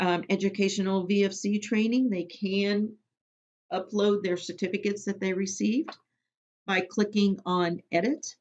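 Woman trainer for a software walkthrough, plain instructional delivery with fillers, muffled computer-mic sound. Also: medium pitch. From Missouri. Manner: plain step-by-step instructions with frequent ums. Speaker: immunization program trainer. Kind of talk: screen-recorded software tutorial. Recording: dull lo-fi audio.

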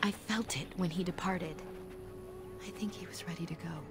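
An actress playing a solemn female elf keeper in a fantasy video game, speaking in a measured, formal, grave way. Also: on the low side, natural voice. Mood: solemn, mournful. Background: game music.

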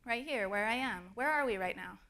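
Woman speaker at a conference, bit of vocal fry, explains stuff with lots of ums. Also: fairly high pitch, animated, brisk, bright, forceful tone. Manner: explanatory, uses fillers, varies stress to demonstrate intonation. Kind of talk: conference talk. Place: conference stage.

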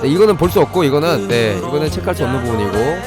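A man streams live game commentary and tutorial with music underneath, speaking at a quick pace in an expressive, medium-pitched voice. He talks directly to his viewers and thanks those who donate.

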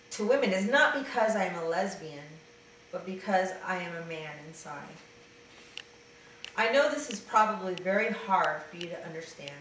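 Trans man vlogger, middle-aged, hesitant and halting, slightly raspy; slow delivery, echoey room heard from far off. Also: high voice, pushed and bright, slight background noise. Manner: hesitant, halting, many fillers and restarts. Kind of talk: casual personal video diary, then reading a letter aloud. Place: dim room indoors, seated in an armchair. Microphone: camera mic at a distance.

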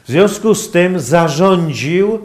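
A man giving a public lecture in a halting, hesitant manner with long pauses. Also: high-pitched, animated. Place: university lecture hall, indoors.

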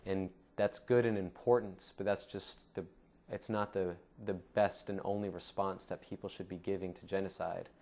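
A young man from Ecuador telling his family's story and his own to camera in a studio, earnest and steady with some fillers. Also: low voice, normal speed. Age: young adult. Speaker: founder of an anti-genocide network. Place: studio with dark backdrop.

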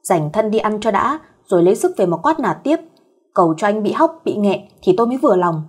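A woman's voice: mid-range voice, big pitch swings, fairly quick, husky. A woman voicing a feisty, pert young female employee in a fireside storyteller's audio tale. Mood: grumbling. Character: feisty young female employee, grumbling yet polite to boss. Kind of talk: acted dialogue in an audio story.

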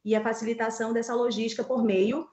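A woman's voice: fairly high pitch, fairly even intonation, quick pace, darkish tone. A woman in her thirties with a Brazilian accent, giving live political commentary over a video call, thinking aloud with many fillers and restarts. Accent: Brazilian Portuguese. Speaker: political columnist. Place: home office with map on wall. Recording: echoey room.

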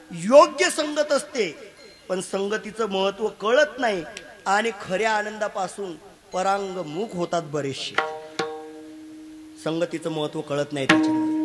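A man giving a devotional kirtan sermon, preaching with humor, repeated sayings and laughing asides before a live audience. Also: high-pitched. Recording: live recording with crowd sound. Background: listening audience.

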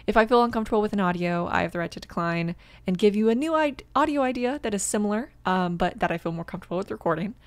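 Female audio creator, 20, casual channel-update read, noticeable vocal fry. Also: medium pitch, fast talker, few pauses, no echo.

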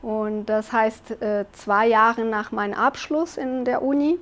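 A woman's voice: fairly high pitch, fairly even intonation, unhurried, fairly bright tone. Brazilian woman speaking thoughtful, hesitant German. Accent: Brazilian Portuguese. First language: Portuguese. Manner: thoughtful, with frequent hesitation fillers. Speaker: interviewee. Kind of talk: interview answers. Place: office with large windows. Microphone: lapel mic.

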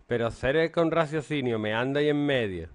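A middle-aged man with a Spanish accent, teaching an English grammar lesson to a class in a joking, deliberate way. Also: medium pitch. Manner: joking, animated, slow and deliberate.

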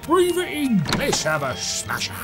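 An actor playing a chatty, cheerful manor servant in an audio drama, with a British accent and a rambling, stammering, chuckling delivery. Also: male voice, extremely high pitch, huge pitch swings, unhurried, over music, exaggerated voice. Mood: cheerful, upbeat. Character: chatty, cheerful, oft-killed manor servant named Todd.

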